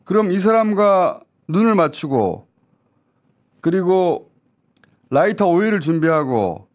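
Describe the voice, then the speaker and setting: A man's voice: sits high, big pitch swings, takes it slowly. A man giving heated news talk-show commentary, talking in an indignant, emphatic and urgent way. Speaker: political commentator.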